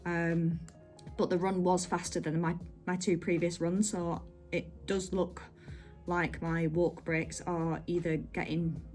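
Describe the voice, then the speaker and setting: A woman with a slightly low voice talks casually to her vlog audience. She is informal and meanders through her update, with music playing faintly behind her. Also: flat delivery, slow pace, a little mellow. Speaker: running vlogger.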